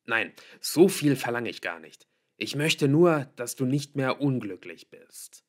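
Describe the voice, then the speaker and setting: A man's voice: mid-range voice, animated, a little slow, voice pushed up. Man playing a frustrated, pleading middle-aged father. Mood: insistent, pleading. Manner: emphatic, insistent.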